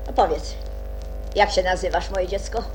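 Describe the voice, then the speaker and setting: A woman's voice: lowish voice, steady tone, moderate pace, a little mellow, soft background music, lightly acted, poor audio. An actress playing an imperious, short-tempered storybook queen in a radio play, with a commanding, abrupt manner. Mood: haughty.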